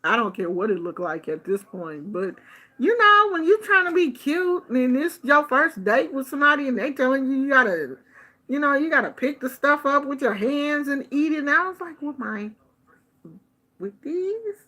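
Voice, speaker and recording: A middle-aged woman from the United States telling a casual story in a chatty, expressive way, acting out the people she quotes. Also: sits high, moderate pace. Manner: chatty, expressive, animated quoting of others. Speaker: vlogger. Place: Bay Area.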